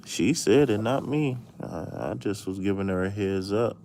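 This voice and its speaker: A man's voice: lowish voice, moderate pace, mellow, slight background noise. A man streaming a casual chat as a tarot reader, telling stories with jokes and plenty of profane slang. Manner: joking, storytelling, profane slang.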